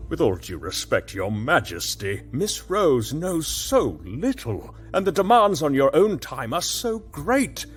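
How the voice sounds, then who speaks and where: A man's voice: a little high, very animated, unhurried, hardly any pauses, faint music behind, pitched above the performer's own voice. A man narrator voicing a nervous, deferential baron who pleads respectfully with the king. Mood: pleading.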